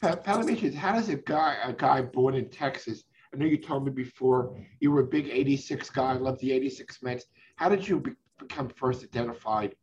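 A man's voice: mid-range voice, a little fast, few pauses, a little mellow. A male sports interviewer asking long rambling questions with restarts. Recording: dull lo-fi sound with faint noise.

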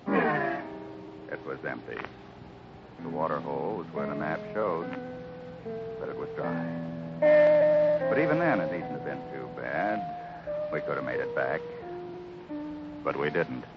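A man playing a grave, stoic cowboy foreman, speaking with solemn, measured resignation in an old-time radio western. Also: rumbling low, big pitch swings, heavily acted. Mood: somber recounting. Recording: dull old radio recording with music.

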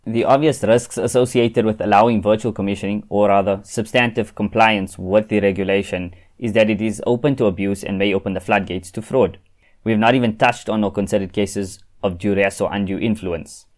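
A man's voice: lowish voice, fairly even intonation, brisk, a little mellow. A man speaking formally and articulately as a panelist in a legal discussion.

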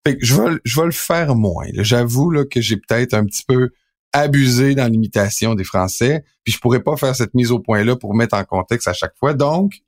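A man's voice: medium pitch, moderate pace. A middle-aged man with a Québécois French accent, co-hosting a sports show and chatting casually with lots of fillers and restarts. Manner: rambling, many fillers and restarts. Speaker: sports podcast co-host. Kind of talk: casual chat.

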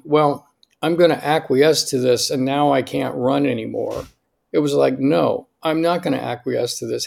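An American man in his sixties speaking as a podcast guest in a conversational, emphatic way, often checking in with a quick "right?". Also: mid-range voice, creaky, darkish tone. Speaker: podcast guest, longevity doctor. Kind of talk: conversational interview, personal anecdotes.

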